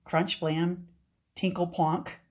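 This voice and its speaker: A woman's voice: lowish voice, flat delivery, slow pace. A woman voicing a teenage boy defending his old car while reading a comic aloud. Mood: defensive.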